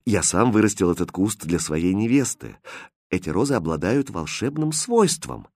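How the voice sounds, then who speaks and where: A man voicing a gentle, sincere young prince who speaks calmly and softly. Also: fairly low pitch, normal speed, dry recording. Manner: calm, soft-spoken.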